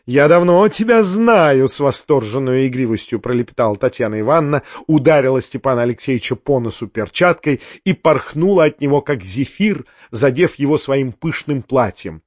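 A man narrating a classic novel as an audiobook, telling it in a lively way. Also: mid-range voice, a little fast, few pauses, no echo, lo-fi sound. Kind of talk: scripted narration.

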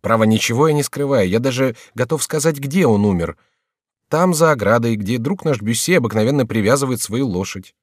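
A man's voice: medium pitch, animated, no echo, studio quality, natural voice. A man voicing a wry young nobleman. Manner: wry, brisk, sardonic. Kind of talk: audiobook reading.

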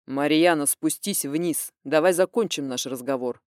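A woman's voice: low voice, moderate pace, a little mellow, no room sound, clean studio sound, voice pushed down, lightly acted. A woman voicing a stern, domineering middle-aged father who speaks through gritted teeth.

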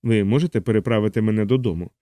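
A man's voice: fairly low pitch, rapid-fire, dark tone, dry recording, lightly acted. A man voicing a frightened, sarcastic human traveler in an audiobook. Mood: pleading. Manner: sarcastic, pleading.

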